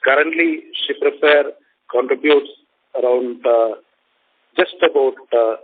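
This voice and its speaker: A man with an Indian accent answering questions as a company executive, speaking formally and haltingly in measured phrases. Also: mid-range voice. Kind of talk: earnings call answers. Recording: narrow phone line with faint noise.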